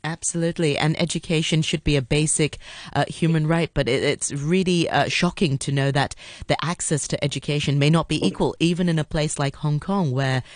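A woman radio host who asks questions in a halting way and often repeats words as she thinks. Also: deep voice, steady tone, dry recording, studio quality. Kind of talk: hosting a radio interview.

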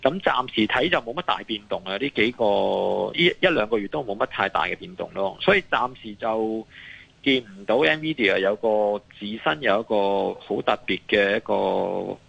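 A man's voice: on the low side, moderate pace, creaky, a bit bright, husky, no room sound, highs cut off. A man with a Hong Kong accent giving live market commentary as a guest analyst, hesitating, repeating phrases and mixing in English terms.

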